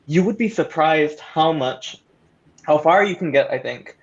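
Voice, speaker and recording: A man's voice: on the high side, expressive, a little slow, highs cut off. A man talking casually as a panelist, hesitant and thoughtful as he searches for words. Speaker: panelist, audio drama creator.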